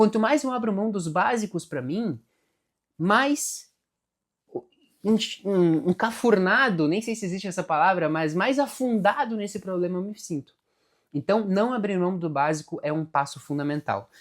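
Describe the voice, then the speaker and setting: The speaker has a slight southern Brazilian accent and lively intonation. The pace is moderate, with long, frequent pauses. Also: man, high pitch for a man. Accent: gaúcho (southern Brazilian), slight. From southern Brazil (Rio Grande do Sul). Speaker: self-help video host. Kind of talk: motivational talk to camera. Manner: direct, emphatic.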